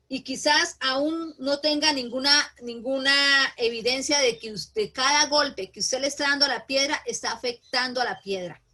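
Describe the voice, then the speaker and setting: A woman's voice: high voice, bright, forceful tone. A middle-aged woman pastor with a Colombian Spanish accent, preaching a sermon earnestly and asking the congregation rhetorical questions.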